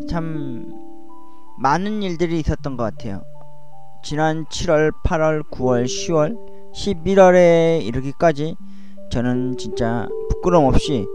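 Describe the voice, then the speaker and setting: A man in his forties with a slight lisp and slurred diction, speaking slowly and haltingly into a cheap microphone, with many fillers and pauses. His voice sits a little high. Background music plays clearly under him the whole time. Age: 40s. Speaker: YouTuber. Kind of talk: personal monologue over music. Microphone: cheap microphone at home computer. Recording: music playing behind voice.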